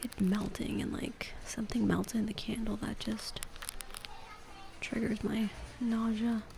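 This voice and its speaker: A soft-spoken voice with an American accent talks at a fairly slow pace in a flat monotone. There is noticeable background noise behind it. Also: woman. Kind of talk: ASMR video; casual talk to camera, ASMR-style.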